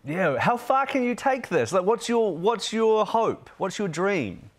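This studio presenter, a man in his thirties hosting a breakfast TV interview, sounds cheerful and chatty through his lapel mic. His voice sits high and sing-song, and he speaks a little slowly.

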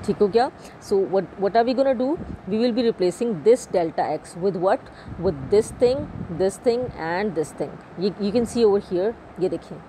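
A woman's voice: medium pitch, mellow, a little hiss or hum, poor audio. A woman with a South Asian accent teaching maths step by step, switching between languages and often checking that listeners follow. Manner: instructive, with frequent check questions. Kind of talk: explanatory screen-recorded lesson, switching between languages.

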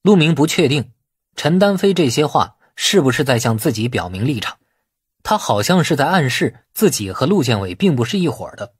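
A man reading a novel as dramatic scripted narration, in a husky voice. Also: mid-range voice, sing-song, normal speed, no room sound, clean studio sound. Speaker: audiobook narrator.

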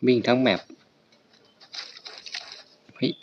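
A man giving loud, excitable and profane commentary while playing a video game. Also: takes it slowly, lo-fi sound, slight background noise. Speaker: gaming streamer. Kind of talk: casual gameplay commentary. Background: faint birds chirping.

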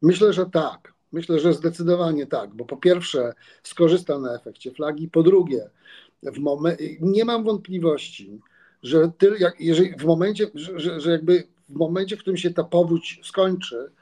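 Mellow-voiced man on a video call. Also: a little high, moderate pace. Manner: confident but stumbling, many restarts. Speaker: commentator. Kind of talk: political panel discussion. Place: room with a patterned wall mural.

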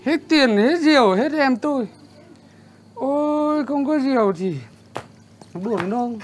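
A woman's voice: high voice, lively intonation, slow, slight background noise. An actress playing a bossy, harsh young village woman who scolds and orders people around, in a television drama. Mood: scolding.

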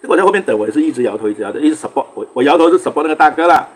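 A man's voice: on the high side, expressive, very fast, a little hiss or hum. A man with a Singaporean accent, hosting a livestream and telling a story in casual chat. He acts out quarrels in raised voices and mixes in English words. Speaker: livestream host.

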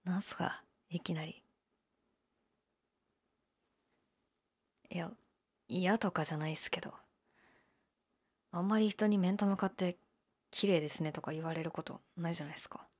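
A young woman playing a laid-back, shyly candid gyaru convenience-store clerk in an audio drama, with a breathy, hesitant, mumbled delivery. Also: brisk, pauses often. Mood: awkward, bemused. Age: young adult. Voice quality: low, breathy. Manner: listless, hesitant, mumbled casual polite speech. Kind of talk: male-oriented situation voice drama, casual chat.

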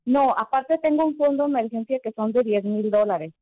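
A woman's voice: on the high side, no room sound. Hesitant woman caller on a tinny phone line. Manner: hesitant, pauses with fillers. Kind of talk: phone call to an advice show.

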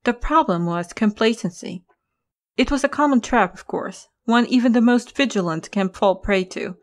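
A woman's voice: a little high, moderate pace. A woman reading scripted story narration as the narrator of an audio drama. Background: music.

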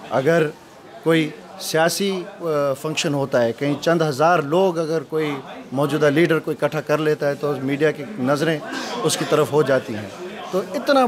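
A man, a provincial assembly member, answering interview questions outdoors near a shrine, earnest, with hesitant pauses and English words mixed in. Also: on the high side.

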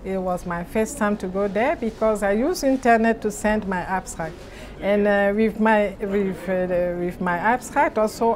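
Cameroonian woman speaking haltingly. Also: medium pitch. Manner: halting, searching for words in non-native English. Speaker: interviewee, NGO president. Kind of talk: interview answers. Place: large indoor conference venue lobby.

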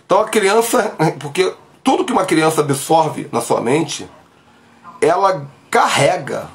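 Casting: male preacher, fairly high voice, emphatic, bedroom phone stream. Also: lively intonation, unhurried, vocal fry. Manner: emphatic, gestures broadly, speaks to viewers directly. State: sick with covid, isolating. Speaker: pastor. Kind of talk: livestream preaching. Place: small bedroom at home. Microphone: phone camera at arm's length.

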